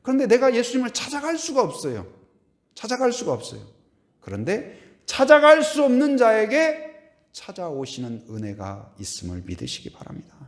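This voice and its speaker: A man's voice: extremely high pitch, normal speed. A middle-aged man preaching a Sunday sermon as pastor, asking the congregation questions and now and then humming or singing a hymn line. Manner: animated, asks the congregation questions, hums and sings hymn lines.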